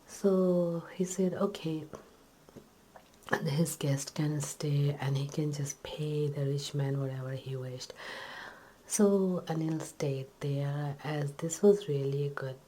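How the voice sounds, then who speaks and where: A woman telling a story in ASMR style, in a breathy whisper, halting between short phrases. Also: deep voice, warm tone, a little hiss or hum.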